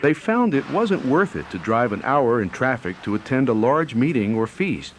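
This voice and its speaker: A man's voice: mid-range voice, very animated, normal speed, slight background noise. A man reading scripted narration for a newsreel as its narrator. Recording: music bed under narration. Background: faint music.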